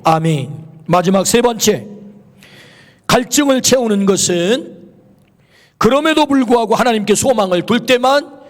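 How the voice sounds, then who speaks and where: A man's voice: extremely high pitch, animated, measured pace, pauses often. A male pastor preaching a sermon in a church sanctuary, emphatic, asking rhetorical questions and pronouncing blessings. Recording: long reverb of a church hall.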